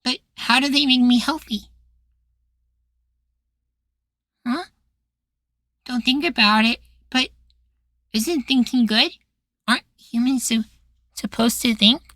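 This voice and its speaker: A woman's voice: on the high side, unhurried, long pauses, no room sound, studio quality. A woman playing a meek, sweet young boywife in a futuristic ASMR roleplay, hesitant and full of trailing questions. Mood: hesitant, curious. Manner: hesitant, soft-spoken pleading, trailing questions.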